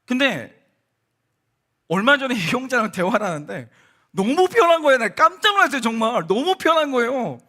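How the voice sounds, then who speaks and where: A man's voice: extremely high pitch, fairly quick. A male pastor giving a sermon in a conversational, storytelling way, speaking straight to the congregation and acting out the people in his stories. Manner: animated storytelling, acts out quoted voices; conversational, addresses congregation directly. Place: church sanctuary.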